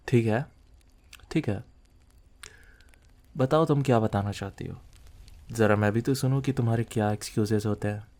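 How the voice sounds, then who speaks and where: A man's voice: medium pitch, mellow, close to an everyday voice. A man playing a possessive, menacing mafia boss lover in an intimate ASMR roleplay, speaking in a threatening, teasing way to the listener. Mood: teasing, mocking.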